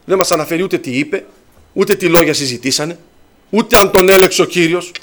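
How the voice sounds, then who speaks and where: A man preaching a sermon, telling stories and addressing his listeners as brothers. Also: a little high.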